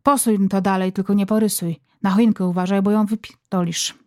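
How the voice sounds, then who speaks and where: A woman's voice: mid-range voice, steady tone, brisk, darkish tone, no echo, clean studio sound, natural voice. A woman voicing a domineering, foul-mouthed middle-aged country mother who scolds her family in rural dialect. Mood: bossy.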